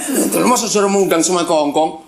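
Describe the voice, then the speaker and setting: A woman's voice: fairly low pitch, quick pace, a loud crowd. A woman preaching a sermon to a live congregation, teasing and acting out family quarrels with a laugh in her voice. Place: church hall with congregation. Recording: echoey hall with audience responding. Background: congregation answering.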